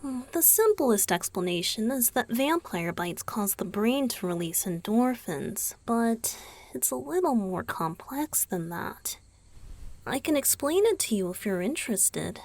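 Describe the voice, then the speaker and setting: A gentle, teasing vampire boyfriend acted by a woman murmurs close and dry into the microphone in an ASMR roleplay. He takes his time, explaining patiently and often slipping toward a whisper, while his pitch rises and falls in a lively, affectionate lilt. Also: unhurried, no room sound, heavily acted. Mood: thoughtful, gentle. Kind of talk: ASMR roleplay, intimate one-sided dialogue to the listener.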